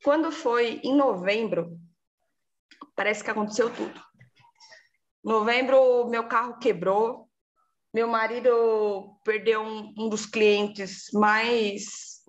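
A woman, giving a lively casual testimonial and acting out her own past words. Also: a little high, slow pace, dull audio.

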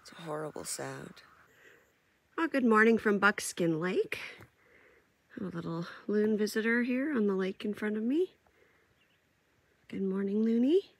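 A woman's voice: mid-range voice, unhurried, long pauses, slightly rough, no room sound. Stuffed-up woman vlogging at a lake campsite. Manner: chatty, relaxed, lots of ums and uhs. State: stuffed-up nose. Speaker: solo camping vlogger. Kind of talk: casual vlog narration. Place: outdoors at a lakeside campsite and in a tent. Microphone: camera at arm's length.

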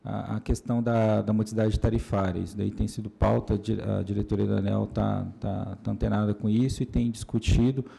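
A man with a very gravelly, husky, low voice gives a halting answer full of restarts. His tone is dark and rough. He is answering questions at a public meeting. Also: little pitch movement.

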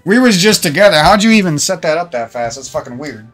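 A man's voice: a little high, sing-song, fast talker, faint music behind. A man talking to his stream viewers into a desk microphone from a room at home, venting about past relationships in a rambling, profane way with many restarts. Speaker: gaming streamer.

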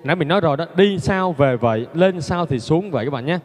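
A man's voice: fairly high pitch, animated, fast talker. A man giving a casual piano lesson, chatty and joking, laughing at himself between fingering steps. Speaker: piano teacher. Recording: long reverb, loud piano music.

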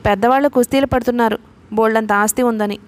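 A woman reading a novel aloud, voicing a lively young woman who teases her friends. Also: fairly high pitch, fast talker, close to an everyday voice. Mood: teasing. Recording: audiobook narration.

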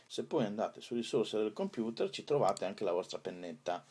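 A man presenting an informal software tutorial, improvising hesitantly with drawn-out pauses. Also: on the low side, expressive, slightly rough.

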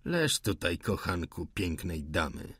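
A man's voice: low-pitched, sing-song, takes it slowly, a bit bright, slightly rough, no room sound, studio quality, pitched below the performer's own voice, exaggerated voice. A man voicing a bitter, contemptuous dragoon officer who barks short questions. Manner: curt, barked questions.

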